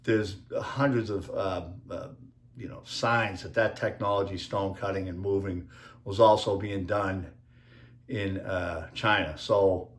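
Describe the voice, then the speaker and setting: A man with a Boston accent rambling through a casual monologue, halting often with fillers as he talks over slides. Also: low voice, steady tone, echoey room. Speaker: video creator and author.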